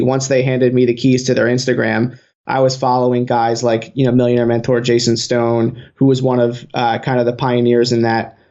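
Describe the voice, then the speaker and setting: A man's voice: mid-range voice, a little mellow. Interview guest, late-20s man, earnest storyteller, muffled lo-fi audio. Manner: earnest, fluent with some "you know" fillers. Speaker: guest, social media marketer. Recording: dull lo-fi sound.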